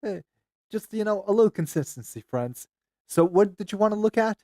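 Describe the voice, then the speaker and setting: A man with a slightly high voice hosts a casual stream chat. He mutters while fiddling with his screen. The mic is close and dry. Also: animated, fairly quick, mellow, no echo. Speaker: streamer host.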